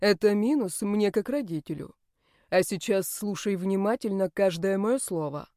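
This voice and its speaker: A woman voicing a calm, authoritative male healer in an audiobook, speaking in a measured, steady way. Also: medium pitch, no room sound, clean studio sound, natural voice. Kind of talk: audiobook character voice.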